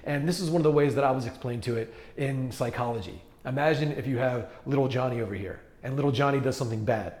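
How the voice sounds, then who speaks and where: A man's voice: medium pitch, fast, few pauses, a little mellow. A man working as a coach, explaining ideas earnestly to the camera and repeating words as he thinks. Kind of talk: talking-to-camera teaching video. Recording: roomy echo.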